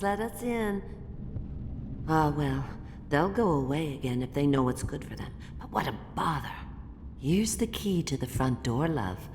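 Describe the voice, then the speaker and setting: Creepy sweet old granny for a game, mutters, pitch all over the place, noisy background. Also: female voice, warm tone. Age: older. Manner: muttering, doting, sing-song. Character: eccentric old granny, half-blind, sweetly sinister. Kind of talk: video game acting. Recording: long reverb, noisy ambience.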